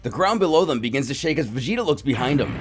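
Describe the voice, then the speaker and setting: A man's voice: mid-range voice, lively intonation, quick pace. A man giving dramatic, scripted narration as he recaps a comic story. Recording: music behind the voice.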